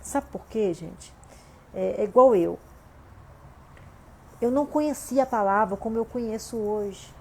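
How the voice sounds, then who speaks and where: A Brazilian woman pastor with a Brazilian Portuguese accent preaches a conversational livestream sermon from home, often saying "né?" and "gente." Her medium-pitched voice is gravelly and dark, a little slow, with frequent pauses. There is slight background noise.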